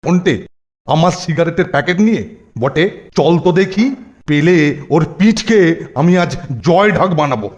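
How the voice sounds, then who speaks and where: A man voicing a gruff, menacing cartoon schoolmaster who scolds and interrogates, quick to punish. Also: a little high, muffled recording, close to an everyday voice. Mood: angry, threatening. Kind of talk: cartoon voice acting.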